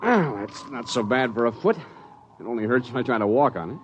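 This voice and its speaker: A man's voice: medium pitch, animated, a little fast, a little hiss or hum, natural voice. An actor playing an injured male climbing friend, in pain but wry, in an old radio drama. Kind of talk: 1950s radio drama acting.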